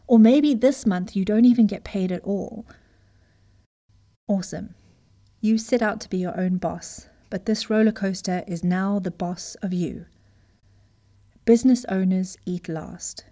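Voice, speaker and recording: Woman business coach from Zimbabwe, warm, dark tone, earnest and emphatic motivational delivery. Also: medium pitch. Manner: earnest, emphatic, direct address. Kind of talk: motivational talk.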